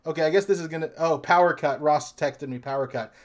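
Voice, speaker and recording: A man with a slightly raised pitch hosts a live online panel. He talks loosely and casually, trailing off and restarting as he goes. The sound has the plain feel of a video call setup. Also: quick pace. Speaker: livestream host.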